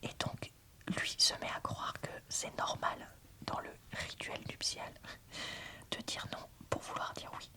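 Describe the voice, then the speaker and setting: A woman whispers in a breathy, unvoiced ASMR style, speaking informally and frankly as she reads and reviews books. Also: measured pace. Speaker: book reviewer.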